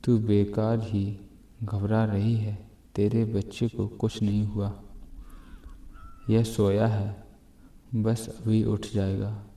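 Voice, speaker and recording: Gentle, compassionate old spiritual master, read by a man, slow and level, in a roomy echo. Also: lowish voice, monotone. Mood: calm, reassuring. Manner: gentle and reassuring. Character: calm, compassionate elderly male spiritual master.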